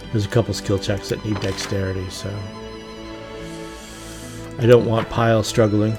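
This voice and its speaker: A man giving casual gameplay commentary, muttering to himself and swearing freely. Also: fairly low pitch. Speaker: gaming channel host. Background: music behind the voice.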